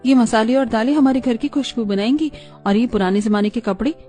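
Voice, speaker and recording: A woman plays a gentle young daughter-in-law in an animated story. She speaks softly and earnestly in a slightly high voice. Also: brisk, soft background music, natural voice. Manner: soft, earnest.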